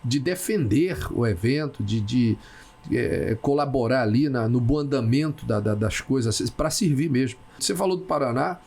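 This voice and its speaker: Gravelly husky man, halting speech. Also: medium pitch, expressive, darkish tone. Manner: halting, repeats words while searching for them. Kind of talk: casual talk show conversation.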